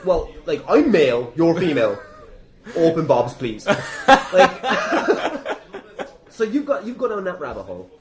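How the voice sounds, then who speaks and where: An Irish man hosting a podcast in casual conversation, emphatic and swearing freely, recorded in an echoey room. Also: a little high. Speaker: podcast host.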